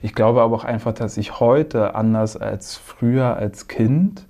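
A man's voice: medium pitch, measured pace, gravelly, warm tone. A man from eastern Germany speaking reflectively in a radio interview clip. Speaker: author interviewed. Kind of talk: interview excerpt.

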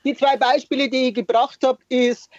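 A woman with a Lower Bavarian accent calling into a radio show, chatty and eager, often restarting her sentences. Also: fairly even intonation, a little mellow. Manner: chatty, enthusiastic, halting restarts. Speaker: caller. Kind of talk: phone-in chat. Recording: muffled phone line.

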